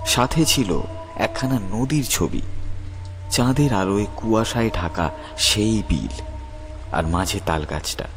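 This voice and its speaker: A man's voice: on the low side, slow, long pauses, over music. A man narrating a scripted horror story in a dramatic, suspenseful storyteller's manner.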